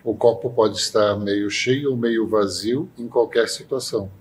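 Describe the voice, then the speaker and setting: Low-voiced man explaining. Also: measured pace, a little hiss or hum. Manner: explanatory, many restarts, rhetorical questions. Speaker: podcast panelist. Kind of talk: casual podcast discussion.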